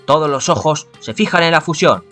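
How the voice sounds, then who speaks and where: A man with a Spanish accent from Spain reads a visual novel aloud, stumbling often, correcting himself and tossing in asides. His voice is fairly high, animated, brisk and a little bright, with faint music in the background.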